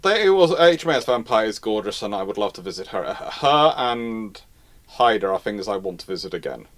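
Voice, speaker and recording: A man with a lowish, sing-song voice and a moderate pace hosts a casual live history Q&A. He answers viewer questions emphatically, repeating phrases to stress his points.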